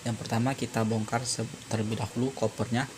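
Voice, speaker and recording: A man narrating an informal hands-on repair tutorial as presenter, explaining step by step in a halting way with frequent pauses. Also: medium pitch, flat delivery, background noise.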